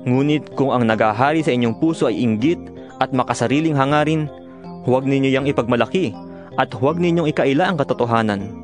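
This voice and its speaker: Music plays clearly behind a man narrating a dramatized audio Bible. His voice sits at an average male pitch. He exhorts in a solemn, earnest way, stressing his points with emphasis. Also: a little fast. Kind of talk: dramatized scripture reading, exhorting.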